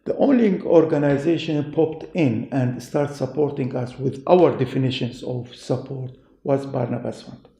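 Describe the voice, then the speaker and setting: Echoey, gravelly Middle Eastern-accented man. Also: mid-range voice, warm tone. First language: not English. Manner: halting, deliberate phrasing. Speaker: pastor and doctor being interviewed. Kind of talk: interview answers, personal testimony. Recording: echoey room.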